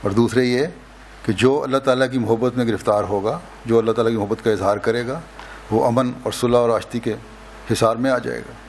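An older man speaks in a slow, measured, solemn way, leaving long pauses between phrases as he preaches. His voice sits at an ordinary middle pitch. He is recorded close on a lectern microphone indoors, with a faint hiss underneath. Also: fairly even intonation. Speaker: religious leader giving an address. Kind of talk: sermon at a mosque opening. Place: indoors, mosque hall lectern.

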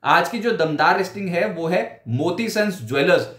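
Man in his 40s, market news anchor, brisk emphatic delivery, slightly high voice, echoey studio. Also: animated, fairly bright tone. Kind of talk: stock market roundup commentary. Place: indoor studio before a branded backdrop.

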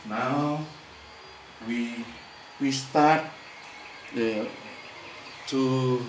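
Speaking very slowly in a steady, medium-pitched voice, an older man who grew up speaking Indonesian presents his lab projects in second-language English. He hesitates a lot, repeating words, restarting and using fillers, as he moves between indoor and outdoor areas of a garden workshop. Filmed on a close handheld camera, the sound is echoey with clear ambience and slight background noise.

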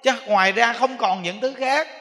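Speaking as a Buddhist monk, a man delivers a dharma talk with a southern Vietnamese accent at a normal speed, his pitch extremely high. He acts out everyday examples in an animated, repetitive way, and the hall echoes.

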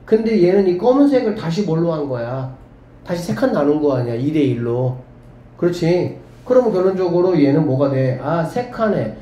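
A male math teacher leads a classroom lesson, talking with energy and often asking his students if they follow. His voice is dark and mellow and sits a bit high. The room sounds echoey, with a faint hum behind him. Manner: lively, keeps checking in with students.

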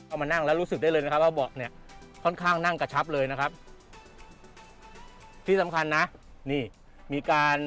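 Filming as he walks around a car at a busy indoor motor show, a man chats casually and keeps repeating his points. His voice is a little high and a bit bright, and he ends his phrases with polite particles. The recording uses a handheld camera mic, with the presenter out of frame.

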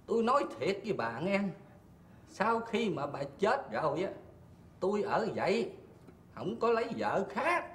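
An actor playing a stingy, teasing old husband in a stage comedy sketch, with a drawling, grumbling manner. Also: male voice, high-pitched, big pitch swings, a little slow, fairly bright tone, heavily acted. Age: older. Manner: drawling, mock-tender, grumbling about cost. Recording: roomy stage recording, faint noise.

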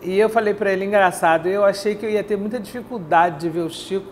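Seated in a bright indoor TV studio, an older woman interviews a guest in a casual chat, recounting anecdotes at length and repeating phrases. Her voice is mid-range, and the lapel mic picks up a little hiss or hum.

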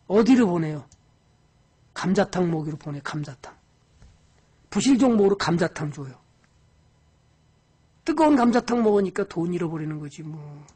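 Husky woman giving a lively market lecture. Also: medium pitch. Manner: lively lecturing with frequent rhetorical questions. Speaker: stock investment lecturer. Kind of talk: investment lecture.

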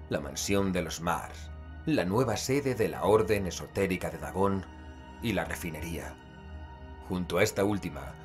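An actor playing a male investigator who narrates a horror audio drama in a grave, measured, literary way. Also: low-pitched.

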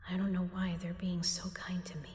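A young woman performing an intimate audio drama as a frightened prisoner, speaking softly and often in a whisper. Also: fairly low pitch, monotone, a little fast. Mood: tender. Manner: soft, breathy, often whispered.

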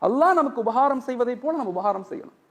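A man's voice: very high voice, fast. A male Islamic preacher giving a sermon, telling stories and acting out the dialogue. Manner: animated storytelling, acting out dialogue.

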